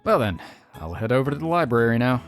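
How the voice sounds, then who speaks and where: A woman's voice: extremely low pitch, big pitch swings, fast talker, soft background music. A woman reading visual novel text aloud as a let's player, slipping in casual, wry, joking asides.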